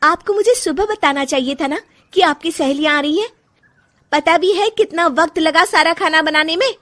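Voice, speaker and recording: A woman's voice: high voice, very animated, unhurried, voice pushed up, exaggerated voice. Woman voicing a young daughter-in-law, tearful and defiant. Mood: indignant. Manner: sharp and defiant, then tearful. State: crying. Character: young unhappy daughter-in-law who dreams of painting. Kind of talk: cartoon storybook voice acting.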